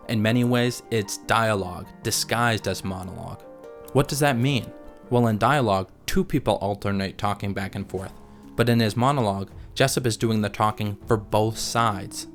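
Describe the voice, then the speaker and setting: A man narrating a scripted video essay in a measured, analytical way. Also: on the low side, gravelly.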